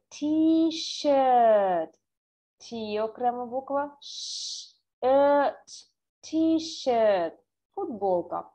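A Ukrainian woman teaching a remote English lesson to first graders, drawing out words slowly and clearly to show pronunciation. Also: fairly high pitch. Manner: slow, clear, drawn-out pronunciation demos. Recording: dull lo-fi sound.

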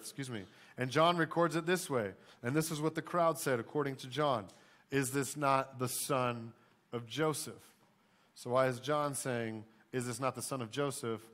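A man's voice: mid-range voice, a bit bright. An American man in his forties preaching as a pastor in an emphatic way, repeating key phrases. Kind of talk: sermon. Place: church stage, indoors.

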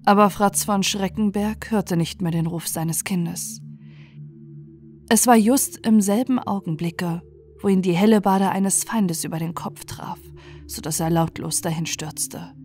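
A woman narrating a scripted fairy tale for bedtime in a measured, expressive storytelling manner. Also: mid-range voice, faint music behind.

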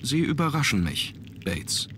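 A man playing a determined young aristocrat in an adventure game, speaking in a measured, formal way. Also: medium pitch, very animated, noisy background. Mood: insistent, suspicious. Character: determined young aristocratic man investigating his grandfather's death. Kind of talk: scripted adventure game dialogue.

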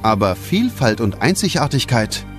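A man's voice: mid-range voice, big pitch swings, moderate pace. A man narrating a scripted children's audio play as a dramatic storyteller. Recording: music behind the voice.

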